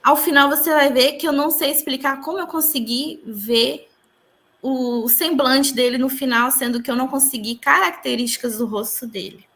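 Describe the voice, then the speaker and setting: A young woman tells her story in a high voice, speaking earnestly and softly. She sounds like an interview guest recounting a deeply personal experience. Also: normal speed. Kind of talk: emotional personal testimony.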